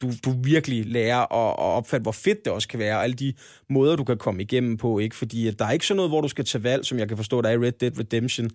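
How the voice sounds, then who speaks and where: Man, casual podcast chat, mid pitch, jokey and animated, dry close sound. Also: dry recording. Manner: animated, jokey, acts out quotes with laughs. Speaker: podcast host. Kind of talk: casual chat about video games.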